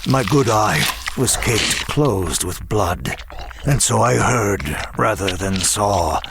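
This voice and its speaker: A man playing a broken, self-loathing demon who narrates a horror audio drama in a grave, measured way. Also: fairly low pitch, expressive, gravelly, background noise, heavily acted. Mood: weary anguish. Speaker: first-person narrator.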